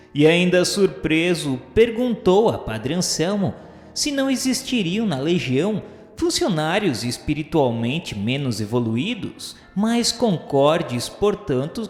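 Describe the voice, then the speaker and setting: A man narrating a radio drama in a formal, literary storytelling manner. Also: fairly high pitch. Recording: echoey hall with background music.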